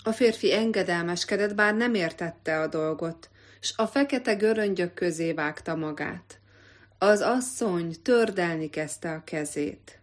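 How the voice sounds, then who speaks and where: A woman narrating an audiobook in a measured, expressive literary reading. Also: lowish voice. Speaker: audiobook reader.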